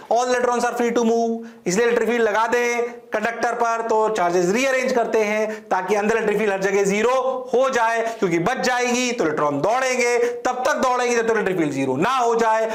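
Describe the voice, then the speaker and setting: Indian man, physics lecturer, theatrical, high voice, classroom with echo. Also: fairly bright tone. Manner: theatrical, answers his own questions in a student voice. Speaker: physics teacher.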